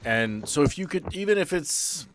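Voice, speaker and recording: A man's voice: fairly high pitch, animated, normal speed, slight background noise. A man hosting a podcast, explaining and prompting in casual conversation. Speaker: podcast host.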